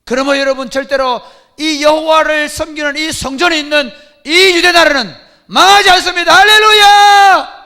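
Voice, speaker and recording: A man acting out a fiery male temple prophet who whips up a crowd with shouted, ecstatic preaching. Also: extremely high pitch, normal speed, voice pushed up. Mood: fervent, shouting.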